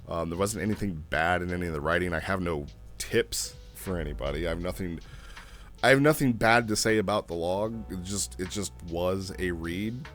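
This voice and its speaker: A man's voice: sits low, moderate pace, fairly bright tone, faint music behind. A man giving a casual, unscripted review as a host, rambling a little and thinking aloud as he goes. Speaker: host reviewing roleplay logs.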